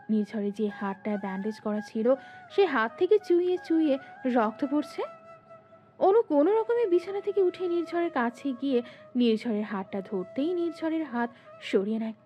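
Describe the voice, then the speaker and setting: A woman narrating a scripted romantic story in an expressive storytelling manner. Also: sits high. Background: background music.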